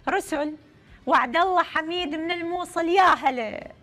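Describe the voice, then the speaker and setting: With a very high, pushed, bright voice at a normal speed, a young woman hosts a TV call-in game show from a studio as music plays. Her Iraqi Arabic accent comes through as she presents in a lively, playful, effusive manner, frequently repeating herself.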